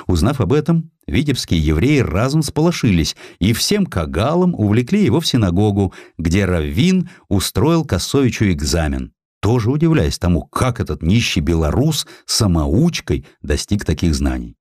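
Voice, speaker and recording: A man narrating historical stories as an audiobook, in an expressive, theatrical manner. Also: on the low side, moderate pace, few pauses, dry recording, studio quality.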